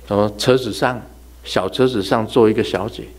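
A man giving a religious talk in a chatty, storytelling way, laughing and imitating sounds as he goes. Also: medium pitch. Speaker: religious teacher. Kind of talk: sermon told as humorous ghost anecdotes.

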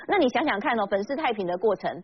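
Husky, quick-talking female talk show host. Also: fairly high pitch, expressive. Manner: chatty, lots of tag particles and questions. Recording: slightly dull broadcast audio.

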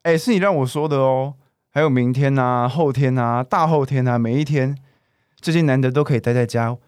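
A man's voice: mid-range voice, brisk, a little mellow, clear, resonant tone, no room sound, clean studio sound, natural voice. A young man with a Taiwanese Mandarin accent acting a frank, clingy, doting gay boyfriend in an audio drama. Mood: pleading, affectionate.

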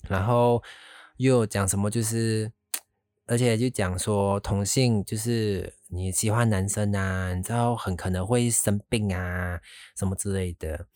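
A young man telling a personal story in an emotional, halting way, full of fillers and restarts. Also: fairly low pitch, fairly even intonation, a little mellow, no echo. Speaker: vlogger telling his own story.

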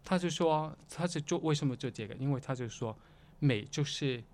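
Man speaking halting. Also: on the high side, a little mellow, slight background noise. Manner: halting, repetitive, mixing English words into Mandarin. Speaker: guest. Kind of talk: casual conversational interview.

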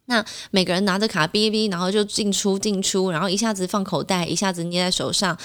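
Brief: woman podcast host, lively storyteller who acts out quotes. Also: mid-range voice, fairly quick. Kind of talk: casual chat.

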